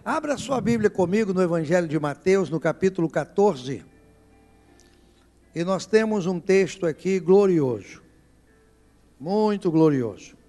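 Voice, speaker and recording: Pastor preaching, high and lively. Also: male voice, measured pace, long pauses, soft background music. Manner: preaching with dramatic rises and questions to the congregation. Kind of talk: sermon. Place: church service.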